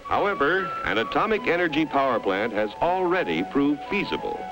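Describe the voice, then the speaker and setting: An American man narrating a scripted 1950s educational film in an emphatic, dramatic manner with deliberate pauses. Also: a little high, very animated, over music, low-quality recording.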